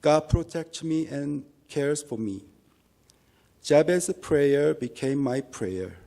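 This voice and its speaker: A man with a Korean accent gives a church testimony in English, speaking slowly and with real care. His voice is mellow and carries a gravelly edge, and he restarts phrases now and then in an earnest, halting way. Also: a little high, lively intonation. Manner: earnest, halting, measured delivery with small restarts. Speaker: lay minister giving testimony.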